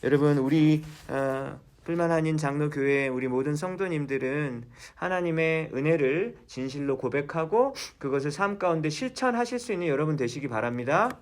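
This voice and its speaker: A man's voice: fairly high pitch, moderate pace, hardly any pauses. A male pastor preaching a sermon in a church, asking the congregation questions and then answering them himself.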